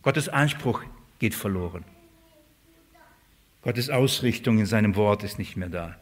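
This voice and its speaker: A man's voice: on the low side, animated, unhurried. A man preaching a sermon to a congregation, paraphrasing scripture and asking the listeners questions.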